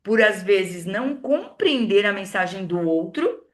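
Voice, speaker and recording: Brazilian woman coach, motivational talk, calm and steady but swings loud and soft for emphasis. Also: mid-range voice, measured pace. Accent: Brazilian Portuguese. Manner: expressive, shifts between loud and soft on purpose; speaks with calm, steady explanation between emphatic lines. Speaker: communication mentor and coach. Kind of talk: motivational talk to a women's group.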